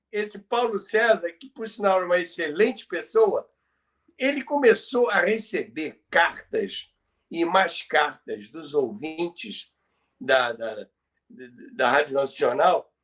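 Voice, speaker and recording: A Brazilian man co-hosting a podcast, telling stories about radio history in a halting way that repeats words. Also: on the high side, lively intonation, fairly bright tone. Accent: Brazilian Portuguese. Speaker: podcast co-host.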